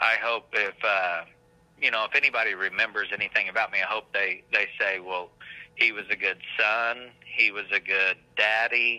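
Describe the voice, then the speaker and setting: Someone speaks at a moderate pace with an American accent. The sound is dry and close, with no echo. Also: man. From Oklahoma, small town. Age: 50s. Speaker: high school sports media relations director, former sports reporter. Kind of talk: casual interview.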